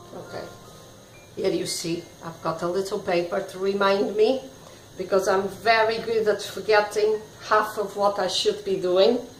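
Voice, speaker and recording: With a non-native accent, a woman speaks in a medium pitch and monotone, flat intonation, leaving long, frequent pauses, with noticeable background noise and audible room echo. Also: moderate pace. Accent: foreign. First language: not English. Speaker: cooking video host. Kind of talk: cooking tutorial. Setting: home kitchen. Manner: casual, chatty.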